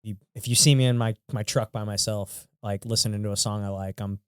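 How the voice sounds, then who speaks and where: A man's voice: on the low side, steady tone, clear, resonant tone, dry recording, studio quality. A man hosting a podcast, speaking casually with lots of "like" and "you know". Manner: brisk and friendly, filler-heavy with "like" and "you know". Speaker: podcast host. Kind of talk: casual podcast chat and host reads. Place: podcast studio.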